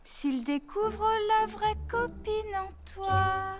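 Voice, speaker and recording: A dreamy cartoon girl, sings in a very high voice. Her phrases are extremely slow and drawn out. Loud music accompanies her. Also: exaggerated voice. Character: dreamy cartoon girl singing as she writes a song. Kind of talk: slow singing in a French cartoon.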